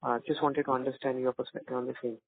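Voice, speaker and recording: Hesitant gravelly man on phone. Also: mid-range voice, flat delivery. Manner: hesitant, halting. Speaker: financial analyst. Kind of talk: questioning on an earnings call. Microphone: phone call. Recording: tinny phone line.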